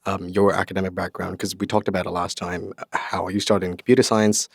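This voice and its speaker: Male podcast host, low voice, dry close sound, easygoing chat with fillers. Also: quick pace, creaky, husky, no room sound. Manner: relaxed, chatty, with fillers and restarts. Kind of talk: casual interview.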